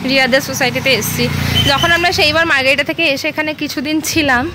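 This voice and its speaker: Woman, Bengali accent, casual vlog, high voice, quick talker. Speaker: vlogger. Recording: outdoor street recording with traffic and crowd. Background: busy street traffic and crowd.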